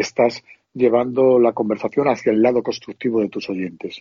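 Moderately paced male speech, mid-range in pitch, its pitch moving in an ordinary way. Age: 50s. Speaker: entrepreneur and author. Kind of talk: interview. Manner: animated.

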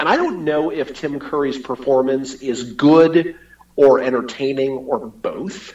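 A man with a fairly high pitch and ordinary pitch variation talks at a fairly slow pace over noticeable background noise. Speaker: film critic. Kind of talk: film review.

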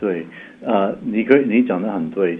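A man with a strong Cantonese accent, fairly low pitch and a moderate pace, amid noticeable background noise. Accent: strong Cantonese accent in Mandarin. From Hong Kong. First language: Cantonese (speaking Chinese). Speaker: political candidate. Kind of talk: interview. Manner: halting, many fillers and repetitions.

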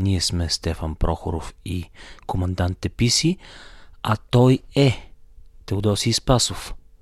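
A man with a fairly low, somewhat breathy voice and ordinary pitch variation talks very slowly, with long, frequent pauses. The sound is dry and close with no echo, in a very clean recording with a silent background. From North Macedonia (Skopje, Albanian roots from Tetovo). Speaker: podcast co-host, radio presenter. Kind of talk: casual chat.

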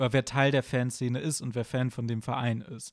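The man's medium-pitched voice, with fairly even intonation, comes across on a very clean recording with a silent background. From Germany. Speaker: podcast host. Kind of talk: casual chat.

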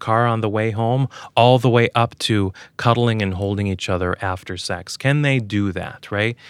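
A man with an American accent speaks in a plain, everyday voice at medium pitch and a moderate pace, with fairly even intonation. The recording is very clean with a silent background and a dry, close sound with no echo. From Michigan, US. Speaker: couples and sex therapist. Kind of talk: interview.

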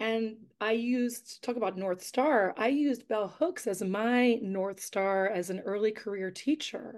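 Against a quiet background, a woman with an ordinary speaking voice talks at a fairly slow pace and fairly high pitch, with ordinary pitch variation and hardly any pauses. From Long Island, New York. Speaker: teacher and doctoral candidate. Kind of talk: panel discussion. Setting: video call.

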